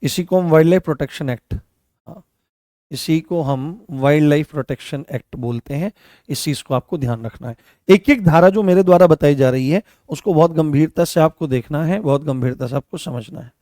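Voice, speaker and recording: Slightly high-voiced male teacher dictating. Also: warm tone, no echo, studio quality. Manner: repeats phrases slowly for dictation, addresses students as 'beta'. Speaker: law teacher for police exam students. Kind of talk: online class lecture with dictation.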